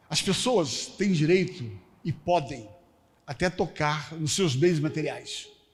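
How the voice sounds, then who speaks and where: A man speaks at a very slow pace with a fairly high pitch and ordinary pitch variation. Audible room echo surrounds his voice. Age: 60s. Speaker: pastor. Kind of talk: sermon. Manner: animated.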